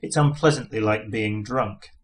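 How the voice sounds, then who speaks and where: Audiobook seasoned space hitchhiker, male reader in character: breezy, brisk, reassuring, unfazed by anything. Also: lowish voice, lightly acted. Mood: matter-of-fact. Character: breezy, unflappable male space-travelling friend, urgent and matter-of-fact.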